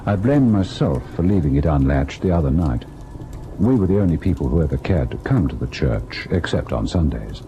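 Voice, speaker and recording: A man's voice: rumbling low, big pitch swings, moderate pace, mellow, soft background music. An actor playing a devoted young husband who narrates his ghost encounter in theatrical, literary radio-drama style. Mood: brooding. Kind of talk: dramatic old-time radio first-person narration. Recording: noisy old radio drama recording.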